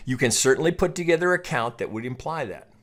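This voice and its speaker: A man's voice: medium pitch, expressive, quick pace, a bit bright. A man giving informal chart commentary as a trading educator, conversational and opinionated, with casual swearing and frequent check-in questions. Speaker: trading educator and market analyst.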